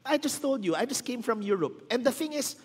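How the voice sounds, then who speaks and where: A man's voice: very high-pitched, lively intonation, normal speed, slightly rough, in a large hall. A man in his thirties with a Filipino accent, a pastor telling stories in a casual sermon with joking asides, his voice strained and tired. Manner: storytelling, mixing Tagalog and English, joking asides. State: tired, strained voice from little sleep. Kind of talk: conversational sermon.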